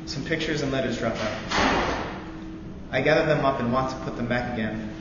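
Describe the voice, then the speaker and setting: Young man reading in an echoey hall. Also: medium pitch. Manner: halting intro with many fillers, then steady earnest reading. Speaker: student veteran reading aloud. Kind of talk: live reading of a novel passage. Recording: roomy echoey hall, dull lo-fi sound, noisy.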